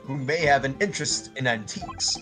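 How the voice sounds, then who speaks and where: A man's voice: medium pitch, fairly quick. A man co-hosting a let's-play, joking and laughing as he comments. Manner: jokey, laughing. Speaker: co-host. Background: game music.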